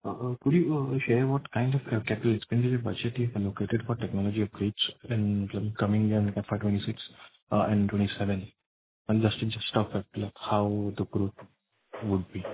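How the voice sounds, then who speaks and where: A man's voice: on the low side, little pitch movement, a little fast, background noise. A man, an individual investor asking questions politely and hesitantly on an earnings call. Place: phone call. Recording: tinny narrow phone line.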